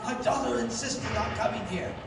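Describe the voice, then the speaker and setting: A man acting a wary, excitable tribal king in a 1930s-style pulp radio drama. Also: very high voice, moderate pace, creaky. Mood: alarmed. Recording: noisy, very echoey, distant hall.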